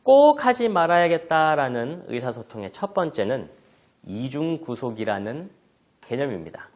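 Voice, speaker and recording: A man giving an online lecture to parents on family communication, explaining terms and acting out examples. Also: normal speed. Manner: explanatory, with lively pitch swings and acted examples.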